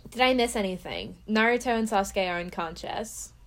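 A woman's voice: medium pitch, normal speed. A woman co-hosting a casual podcast, recapping episodes with playful, laughing asides. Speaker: podcast co-host.

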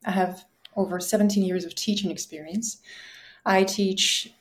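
This is a woman from Kazakhstan who speaks English, at an ordinary mid pitch. She is a teacher and a podcast guest. She presses her points about learning in an earnest, emphatic way. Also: fairly even intonation, moderate pace, noisy background. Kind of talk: podcast conversation.

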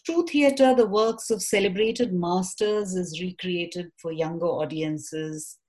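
A woman's voice: fairly low pitch, takes it slowly, darkish tone. A woman, a poet and theatre maker, answering interview questions thoughtfully and with frequent restarts. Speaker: poet and theatre practitioner guest.

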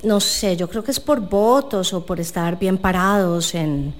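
A young woman hosting a casual interview, talking quickly and chattily with frequent filler phrases. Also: on the low side. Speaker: podcast host.

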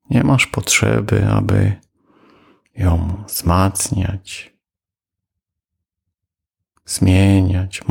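Male meditation guide, very slow, heavy vocal fry, low husky voice. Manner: slow, calm, with long pauses. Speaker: meditation teacher.

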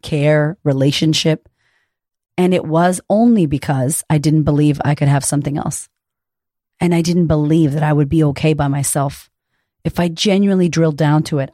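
A woman in her thirties with a raspy voice, hosting a podcast as a confidence coach and speaking frankly and encouragingly, with the odd curse, straight to the listener. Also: low-pitched, warm tone, dry recording, clean studio sound. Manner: frank, profane and encouraging, addresses listener directly. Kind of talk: casual podcast monologue.

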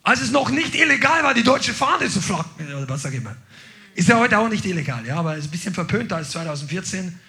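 A man preaching a sermon, energetic and exclaiming to his congregation. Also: high voice, fast talker, vocal fry. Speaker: pastor.

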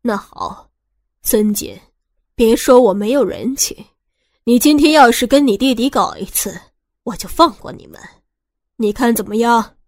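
A woman's voice: a little high, a little slow, dry recording, clean studio sound. A woman voicing a cold, menacing man who sneers and threatens, in an audio story. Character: cold, menacing middle-aged man with a shotgun.

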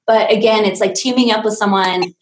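A woman's voice: medium pitch, steady tone, a little fast, echoey room, a little hiss or hum, rough recording. A woman who runs a marketing agency, explaining in a chatty, enthusiastic way on a live stream. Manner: enthusiastic, chatty, nerdy about her subject. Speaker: digital marketing agency owner. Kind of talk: casual live-stream chat.

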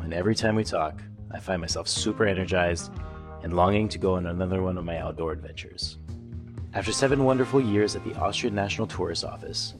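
A man hosting a podcast, reading a scripted introduction and then asking friendly questions with frequent restarts. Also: low voice. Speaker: podcast host.

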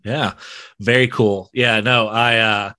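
A man from Alabama with a mild Southern accent, hosting a podcast interview in a halting, enthusiastic way. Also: lowish voice, fairly even intonation, pushed and bright. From South Central Alabama, USA. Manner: halting, many restarts, friendly enthusiasm. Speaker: podcast host. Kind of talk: casual interview chat.

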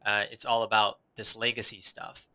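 A man hosting an interview, affirming his guest and rambling with fillers, often trailing off quietly. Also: fairly low pitch, little pitch movement, normal speed. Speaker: podcast host. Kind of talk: conversational interview.

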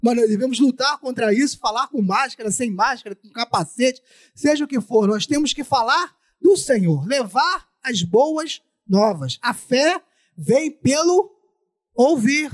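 A man with a very high voice preaches in Brazilian Portuguese, slightly muffled by a face mask. He delivers his sermon as a preacher who repeats phrases to drive them home. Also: lively intonation, unhurried. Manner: repeats phrases for emphasis, acts out dialogue.

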